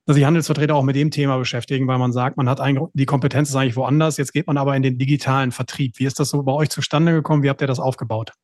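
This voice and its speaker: A man's voice: mid-range voice, flat delivery, racing, few pauses, darkish tone, no echo, studio quality. A man hosting a casual conversational interview, putting his questions in several rephrased versions in a row. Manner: asks strings of rephrased questions. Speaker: podcast host, software entrepreneur.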